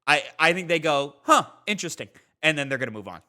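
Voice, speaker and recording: Male co-host, bright forceful voice, animated swings in pitch, casual gaming banter. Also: quick pace. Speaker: podcast co-host.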